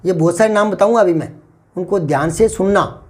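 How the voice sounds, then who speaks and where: This older man, whose Hindi carries a Rajasthani accent, gives an explanatory classroom lesson on Hindi phonetics, repeating things and confirming the students are following. He speaks fairly quickly in a high-pitched, slightly mellow voice.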